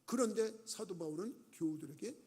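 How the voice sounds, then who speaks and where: A man's voice: high voice, lively intonation, normal speed, a little mellow. A middle-aged man preaching a sermon as pastor, acting out the voices of people in his stories with sudden rises and drops. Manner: acts out quoted voices with dramatic rises and dips. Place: church sanctuary. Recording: long church reverb.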